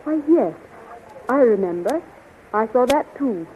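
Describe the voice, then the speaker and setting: A woman's voice: a little high, expressive, unhurried, phone-quality sound. An actress playing an anxious, loyal young captive woman in a 1930s radio serial, earnest and pleading. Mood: earnest, worried. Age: young adult. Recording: scratchy, thin 1930s radio recording.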